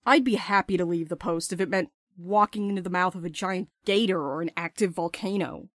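A woman's voice: on the low side, brisk, dry recording, clean studio sound, close to an everyday voice. A woman playing a restless, blunt courier in an audio drama, urgent and sardonic, eager to escape. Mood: eager, insistent.

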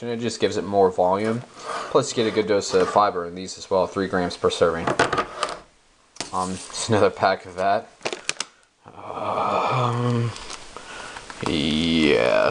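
A man's voice: deep voice, noisy background. A young man vlogging casually from his home kitchen, laid-back and slangy with lots of ums and uhs, talking to a handheld camera while crinkling grocery bags. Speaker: bodybuilder vlogger. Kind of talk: casual grocery haul show-and-tell. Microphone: handheld camera held close. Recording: crinkling bags and clicks close by.

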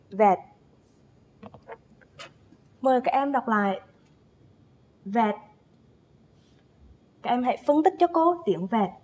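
A woman teacher leads a first-grade phonics lesson in a high, bright voice. She speaks at an unhurried pace and pronounces every sound carefully. She draws out the spelling drills and asks the children to repeat after her. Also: husky. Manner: slow, careful enunciation with drawn-out spelling drills; addresses young pupils directly, calls them to read along. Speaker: primary school teacher.

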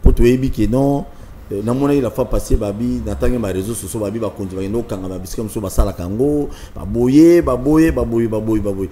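A middle-aged Congolese man hosting a TV talk show, speaking in a calm, measured way in French and Lingala. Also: medium pitch, slight background noise. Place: TV studio.

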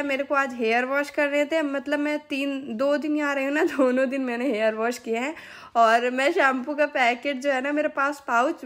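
Chatty woman vlogger, high voice. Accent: Hindi. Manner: chatty, explains step by step to viewers. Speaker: family vlogger. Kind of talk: casual vlog narration.

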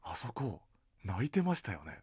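A man's voice: fairly low pitch, very animated, normal speed, darkish tone, breathy edge, no room sound. A man hosting a casual radio chat in a studio, talking in an effusive, exclaiming way. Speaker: radio show host; voice actor. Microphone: studio microphone on boom arm. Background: background music.

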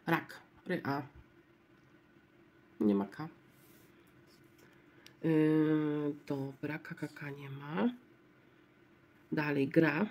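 Casting: woman vlogger, low voice, unhurried, murmurs letters aloud while checking scratch cards. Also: a little mellow. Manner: spells out letters one by one, low-key and murmuring. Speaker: lottery scratch-card vlogger.

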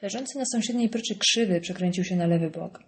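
A woman narrating a crime novel audiobook in a steady, even reading. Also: lowish voice, fast talker, a little hiss or hum. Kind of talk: scripted narration.

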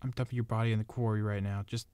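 An actor playing a tense, weary young hitman in an amateur radio drama, moving between hushed talk and shouting. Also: on the low side, flat delivery, racing, smooth, no room sound, lightly acted. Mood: grim.

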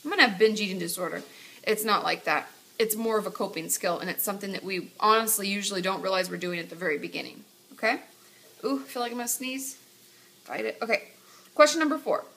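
A woman's voice: a little high, sharp tone. A young woman therapist with a stuffy, nasal voice from a cold, chatting directly to a webcam in a small dim room while answering viewer questions. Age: young adult. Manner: chatty, direct, reassuring advice. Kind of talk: casual vlog Q&A. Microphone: webcam at close range.

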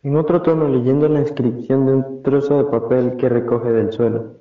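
A man's voice: medium pitch, fairly even intonation, normal speed. Young Argentine man narrating, roomy sound. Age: teenager or young adult. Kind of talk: reading stage directions. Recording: dull, roomy amateur recording.

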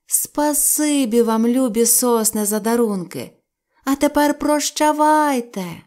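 A woman doing high, excited village children. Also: slow pace. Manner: high, shrill, exclaiming. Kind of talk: storybook reading.

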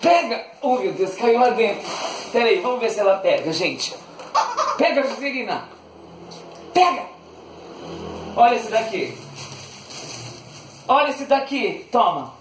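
A man's voice: high-pitched, big pitch swings, moderate pace, long pauses, distant mic. A man hosting a casual unboxing vlog, sweetly coaxing his dog and laughing often. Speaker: channel host. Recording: echoey room, voice off the mic, faint noise.

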